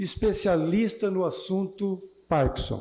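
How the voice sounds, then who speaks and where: With ordinary pitch variation, a man's voice has a dark, mellow tone. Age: 60s. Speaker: city councillor with Parkinson's. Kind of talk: public hearing speech. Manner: halting.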